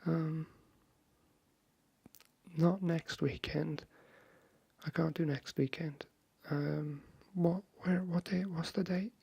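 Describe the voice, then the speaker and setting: A man speaking softly and breathily, half whispering in a hesitant, friendly ASMR chat into a close microphone. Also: fairly high pitch, fairly even intonation, slow pace, creaky, long pauses, breathy edge, no echo, muffled recording. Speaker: ASMR video creator. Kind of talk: soft-spoken ASMR, friendly chat roleplay.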